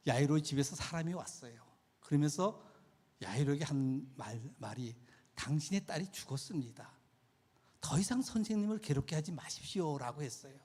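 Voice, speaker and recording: A man's voice: on the high side, dark tone, slightly rough. A man preaching a sermon as pastor in a church, retelling stories and acting out the voices in them. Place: church sanctuary.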